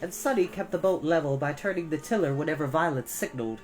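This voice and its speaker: Low-voiced woman reading a storybook. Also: quick pace, a little mellow, soft background music. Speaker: storytime reader and host. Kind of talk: expressive read-aloud storybook narration.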